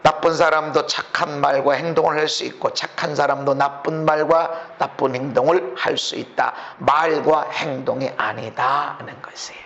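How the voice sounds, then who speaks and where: A man preaching a sermon as the pastor of a Korean church, posing many rhetorical questions and swinging between loud emphatic lines and low quiet asides. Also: fairly even intonation, moderate pace, vocal fry, few pauses. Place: church sanctuary. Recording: echoey church hall, dull lo-fi sound.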